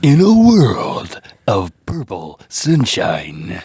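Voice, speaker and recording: In a put-on character voice, the speaker uses a dramatic tone at a low-to-middle pitch. The pace is very slow. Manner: dramatic movie-trailer narration.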